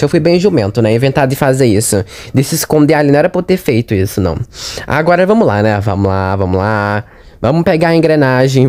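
A man with a Brazilian accent hosts a gaming channel, giving chatty let's-play commentary on a horror game while speaking straight to his viewers. His voice is on the high side and a little mellow, and every scare makes him jump.

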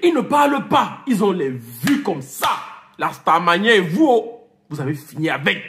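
A man's voice: high voice, sing-song, normal speed, fairly bright tone, slight background noise. A man ranting and teasing his viewers in a comic vlog, repeating names, slipping into English and laughing as he talks. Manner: laughs while talking. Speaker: vlogger. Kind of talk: comic rant to camera.

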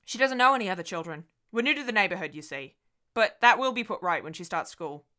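A woman's voice: medium pitch, expressive, fast, sharp tone. A woman voicing an anxious young mother with fraying nerves in audiobook dialogue, tense and pleading. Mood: worried.

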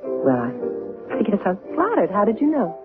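A woman's voice: medium pitch, wildly swooping pitch, normal speed, over music. An actress playing a poised, well-spoken woman in her thirties in a radio drama, with a wary edge. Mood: polite, curious. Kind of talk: 1970s radio drama acting. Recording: narrow tinny old radio broadcast.

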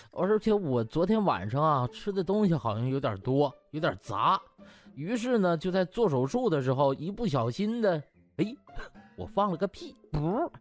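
A man voicing a shameless, smug young male doctor with a playful, mock-pompous manner in an audiobook. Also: on the high side.

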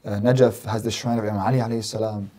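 Man in his thirties, warm dark tone, emphatic guest on a studio podcast. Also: on the low side, little pitch movement, rapid-fire. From London, England. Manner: emphatic, repeats phrases in lists. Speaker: guest religious scholar. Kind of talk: podcast interview, earnest explanation. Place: small studio set with plants. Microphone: desk mic on stand.

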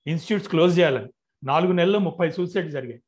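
A man's voice: on the high side, rapid-fire, lightly acted. A man reading as a hot-tempered young man. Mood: earnest. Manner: pleading, then heated and accusing.

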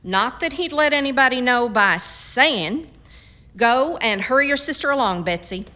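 An actress playing a firm, practical frontier mother in a radio drama, with a brisk, folksy, scolding manner. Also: high voice, lively intonation, pushed and bright. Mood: brisk, motherly.

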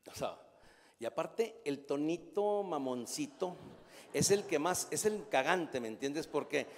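An older man with a Mexican accent doing a stand-up routine, telling stories in a crude, animated way. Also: medium pitch. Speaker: stand-up comedian. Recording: long hall reverb.

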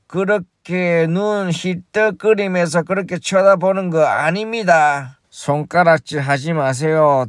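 A man's voice: fairly high pitch, fairly bright tone, no echo, studio quality. A man hosting a comic stock vlog, groaning and complaining in an exaggerated way. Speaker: stock investing YouTuber.

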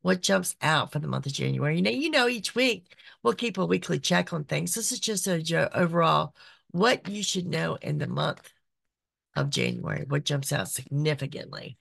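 A woman, hosting a psychic podcast, her voice raspy from being sick, chatty and repetitive. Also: deep voice, sing-song, normal speed, a bit bright, dry recording. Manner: chatty, repeats phrases, frequent "okay". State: raspy voice from illness. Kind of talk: casual monthly horoscope reading. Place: small decorated home room.

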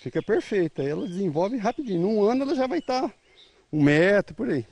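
A man's voice: sits high, big pitch swings, brisk, vocal fry, darkish tone. A man in his thirties from Brazil, a rural producer plainly explaining how to plant, speaking outdoors into a reporter's handheld mic. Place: outdoor garden.

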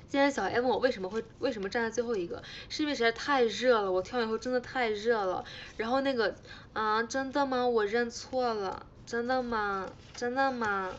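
This Chinese idol livestream host, a young woman with a voice on the higher side, jokes with her fans in a casual chat and often repeats herself. The sound is lo-fi, with a bit of background noise.

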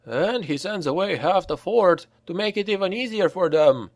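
Man voicing a blunt soldier, grim, raised pitch. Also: animated, moderate pace, no room sound. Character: grim male mercenary soldier.

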